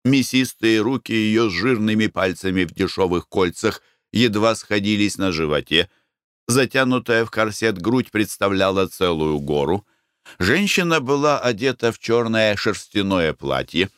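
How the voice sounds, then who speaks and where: A man's voice: on the low side, expressive, moderate pace, a bit bright, clear, resonant tone, no echo, studio quality. A man reading a story aloud as an audiobook narrator, in scripted narration.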